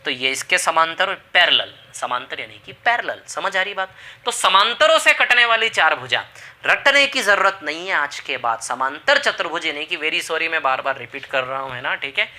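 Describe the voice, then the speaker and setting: A man's voice: on the high side, big pitch swings, normal speed, pushed and bright. A man teaching a maths lesson with a Hindi accent, repeating key phrases and checking that students follow. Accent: Indian Hindi. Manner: repetitive, emphatic, asks for understanding. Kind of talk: classroom lesson.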